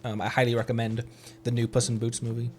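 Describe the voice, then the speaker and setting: A man's voice: mid-range voice, monotone, quick pace, darkish tone, slight background noise. Male streamer, casual chatter, rambly, laughs a lot. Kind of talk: casual live-stream commentary. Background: game music.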